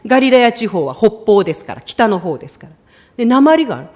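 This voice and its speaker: A middle-aged woman preaching a sermon in an expressive storytelling way, often acting out the lines she quotes. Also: on the high side, fast.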